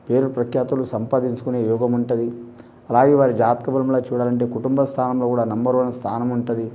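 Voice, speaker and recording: A man giving a horoscope reading in a steady, explanatory way, politely tacking "andi" onto his sentences. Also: mid-range voice. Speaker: astrologer.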